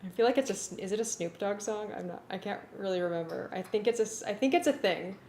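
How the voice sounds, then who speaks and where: Female, mid-pitched, casual working chat as an arranger; roomy recording with clear noise. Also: fast talker, warm tone. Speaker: music arranger working with a collaborator. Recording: echoey room, clear background noise.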